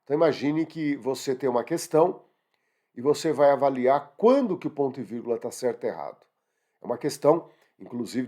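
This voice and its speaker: A middle-aged man with a Brazilian accent teaching an online grammar lesson, talking straight to his students and asking them questions. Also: medium pitch. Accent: Brazilian Portuguese. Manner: animated, talks to students directly with rhetorical questions.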